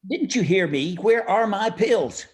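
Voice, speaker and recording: A man's voice: high voice, expressive, a little slow. Man acting a cranky old jeweler, swooping stammer. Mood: irritated. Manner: stammering, querulous. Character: cranky old male jeweler, forgetful and blustering. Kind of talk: campy 1940s radio noir acting.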